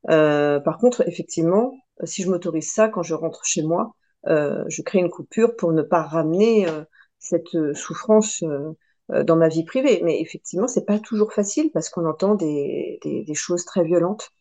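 French woman in her forties, podcast guest, lowish mellow voice, reflective with frequent restarts. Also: lively intonation, moderate pace. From France. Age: 40s. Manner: thoughtful, many hesitations and restarts. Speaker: guest, personal development coach. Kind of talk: podcast interview.

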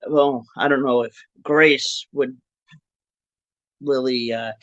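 A man hosting a casual online talk show, chatting in a laid-back, halting, folksy way. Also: medium pitch, steady tone, a bit bright, no echo, highs cut off. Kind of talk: casual rambling live chat.

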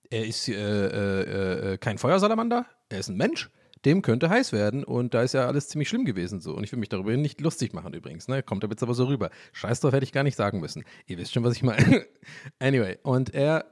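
A man's voice: mid-range voice, a little mellow. A young man hosting a casual solo podcast, rambling and self-mocking with jokey asides. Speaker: podcast host.

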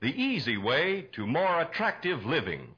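A man's voice: a little high, sing-song, normal speed, breathy edge, faint music behind. A man narrating a scripted crime drama as a 1940s radio announcer. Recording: dull 1940s radio recording.

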